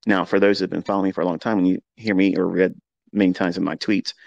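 Gravelly low-voiced man coaching traders. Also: level tone, fast talker, a little mellow, dry recording, highs cut off. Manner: earnest, repetitive coaching with spoken asides. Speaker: trading mentor. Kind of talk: live audio-room teaching monologue. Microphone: home microphone on a live audio stream.

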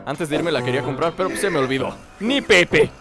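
A man's voice: on the high side, rapid-fire. A young man giving casual, joking gameplay commentary and talking back at the game. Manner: joking, animated, talks to the game. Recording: voice over loud game music.

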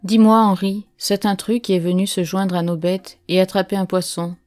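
A woman's voice: on the low side, level tone, normal speed, dark tone, soft background music, lightly acted. A woman voicing an anxious, insistent man on a frozen wilderness trail in an audiobook. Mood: uneasy.

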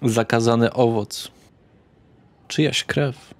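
Slow, gravelly male game master. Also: medium pitch, fairly even intonation. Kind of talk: tabletop RPG narration.

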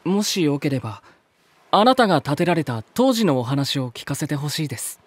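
A polite, expressive young visitor. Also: male voice, fairly high pitch, a little fast, slightly rough, dry recording. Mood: polite interest. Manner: polite, softly thoughtful. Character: polite, curious, gentle young male visitor and narrator. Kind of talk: Japanese voice drama acting.

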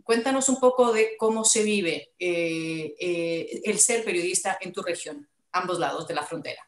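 A middle-aged woman moderating an online panel over a video call, speaking in a measured way with some hesitation. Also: lowish voice, roomy sound.

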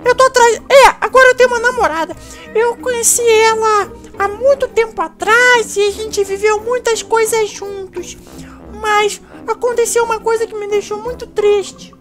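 Squeaky, whiny cartoon mouse. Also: steady tone, moderate pace, over music. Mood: grumbling, confiding. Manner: whiny, exasperated, slangy. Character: whiny, cheeky, thieving male cartoon mouse. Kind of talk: improvised Minecraft role-play.

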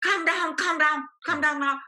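A woman's voice: high-pitched, fairly even intonation, normal speed, sharp tone, voice pushed up. An older woman recounting a kind woman friend who comforts her on the phone and repeats reassurances. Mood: soothing.

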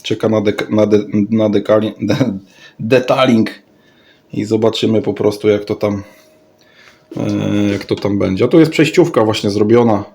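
Low-pitched man, rambling casually. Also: moderate pace, a little mellow. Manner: rambling, repeats words and phrases. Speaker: radio hobbyist vlogger. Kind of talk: casual off-the-cuff product showcase.

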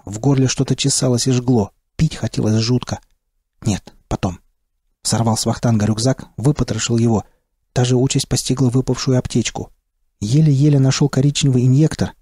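A man narrating an audiobook in the first person with a steady, terse delivery. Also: mid-range voice, breathy edge, no echo, clean studio sound.

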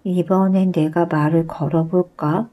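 A woman's voice: on the low side, steady tone, unhurried, mellow. A woman voicing a mischievous male goblin who echoes everyone's words in a storybook tale. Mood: teasing mimicry. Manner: echoes the speech of others.

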